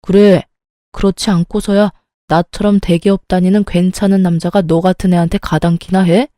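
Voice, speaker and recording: A woman's voice: on the low side, little pitch movement, normal speed, dark tone, dry recording, clean studio sound, lightly acted. A woman voicing an arrogant, entitled young husband who talks down in a blustering way. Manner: condescending, blustering.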